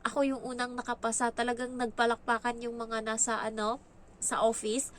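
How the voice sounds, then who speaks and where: Woman, Filipino accent, chatty storyteller, slightly high voice, faint room ambience. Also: little pitch movement, fairly quick, a little hiss or hum. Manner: chatty, acts out quoted lines in a raised voice. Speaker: vlogger. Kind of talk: casual storytelling.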